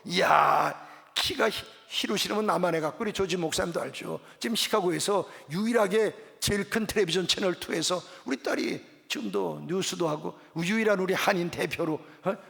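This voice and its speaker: Preaching a revival sermon in an echoing church sanctuary, a middle-aged pastor speaks at normal speed in a high, gravelly voice. He animates his stories by acting out the dialogue.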